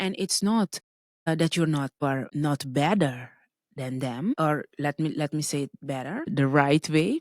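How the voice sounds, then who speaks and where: Heard on a very clean recording with a silent background and a dry, close sound with no echo, a woman with a very deep, low voice speaks at a fairly slow pace with lively intonation. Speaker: podcast host. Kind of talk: motivational monologue. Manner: loud.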